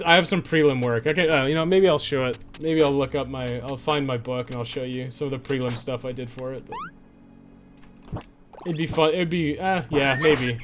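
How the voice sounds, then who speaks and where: With game music playing behind him, a man talks in a mid-range voice. He is a game streamer chatting off the cuff to viewers, rambling casually and swearing freely. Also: medium pitch. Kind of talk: casual livestream chat while playing.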